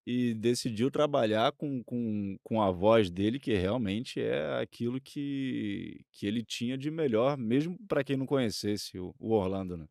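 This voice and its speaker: A man's voice: mid-range voice, a little slow, creaky, few pauses, darkish tone, no room sound, studio quality. A Brazilian man co-hosting in casual conversation, speaking in a modest, hesitant, deferential way. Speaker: stand-in co-host.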